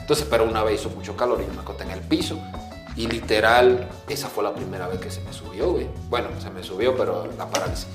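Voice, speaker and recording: A man from the Caribbean co-hosting a podcast, telling stories in an animated, slangy way. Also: fairly low pitch, fast. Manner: animated, slangy, acts out his own shouts. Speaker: podcast co-host. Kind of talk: casual storytelling chat. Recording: echoey room with faint music.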